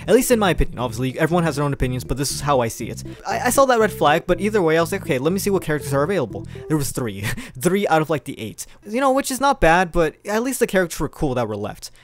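A young man telling a casual storytime in a chatty, slangy, rambling way as a video creator. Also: medium pitch. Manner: animated, chuckling, informal slangy rambling. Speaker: video creator, amateur voice actor.

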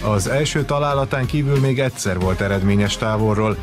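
A man reading scripted narration for a sports report. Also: fairly low pitch. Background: music.

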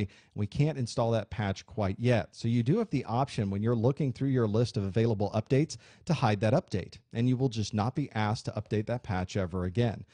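A man teaching a computer course, explaining software settings in a clear, steady way while recording a screen tutorial. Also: mid-range voice, no room sound. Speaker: IT instructor.

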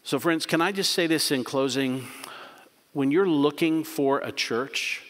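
Middle-aged pastor preaching in a reverberant church. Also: male voice, fairly high pitch, measured pace, fairly bright tone. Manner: earnest, emphatic preaching with repeated phrases. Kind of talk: sermon and closing prayer. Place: church sanctuary, at a pulpit. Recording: long church hall reverb.

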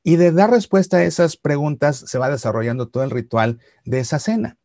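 A middle-aged man giving a Catholic reflection to camera, explaining patiently and slowing for solemn lines. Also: on the high side, gravelly, no echo, clean studio sound. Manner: warm explanatory storytelling, slows for solemn lines. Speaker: Catholic YouTuber. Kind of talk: reflective religious talk to camera. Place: Seattle archdiocese series.

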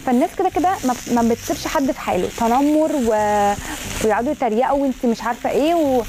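A woman's voice: high-pitched, quick pace, background noise. A woman with an Egyptian Arabic accent, a food blogger giving chatty cooking and health advice in a kitchen, rattling along and stacking up intensifiers.

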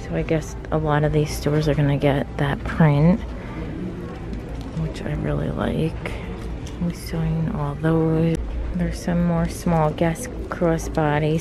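Low, flat-voiced woman vlogging in a store. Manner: low-key, steady price-listing commentary. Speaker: shopping vlogger. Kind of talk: casual shop-with-me narration. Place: large retail store, indoors. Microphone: handheld phone camera. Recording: store noise in background. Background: store ambience noise.

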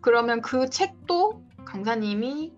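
A woman's voice: a little high, big pitch swings, takes it slowly. A woman in her thirties giving encouraging advice as a coach in a one-on-one online session. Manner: encouraging, advising. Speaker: coach for independent lecturers. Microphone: video call. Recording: dull lo-fi video call audio. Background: faint guitar music.

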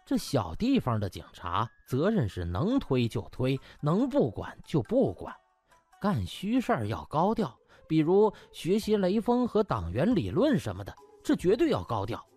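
Male audiobook narrator, comic storytelling, highly animated delivery over music. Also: a little slow, breathy edge, no echo. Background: background music.

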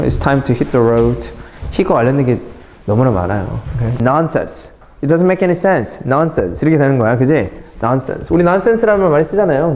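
A middle-aged man teaching English vocabulary in a lively classroom lecture, mixing English phrases into his explanations and talking to his students as kids. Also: mid-range voice. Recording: echoey classroom with faint noise.

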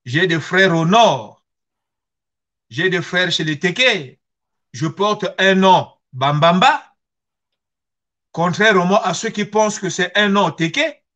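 A man's voice: sits high, animated, takes it slowly, pauses often, pushed and bright. A middle-aged man with a Congolese accent, giving personal testimony in an earnest, emphatic way with rhetorical questions. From Congo-Brazzaville. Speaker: guest speaker. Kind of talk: personal testimony on history and identity. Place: small furnished room at home, video call.

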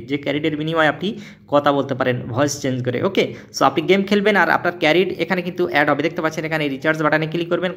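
A man's voice: fairly high pitch, a bit bright. A man narrating a tech tutorial as a YouTuber, explaining emphatically with repetition and English loanwords in a salesy way. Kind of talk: tutorial voice-over for a screen recording.

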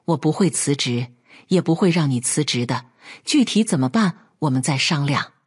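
Woman doing a tired soft-spoken young husband, low husky voice. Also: expressive, normal speed. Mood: pleading. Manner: pleading, soft. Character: torn young husband, gentle and weary.

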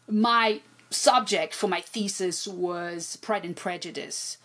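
Expressive woman, French native speaker. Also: mid-range voice, slow. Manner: animated, expressive, repeats words when excited. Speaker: guest, poet and translator. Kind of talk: casual conversational interview. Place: home room with bookshelves. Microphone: video call.

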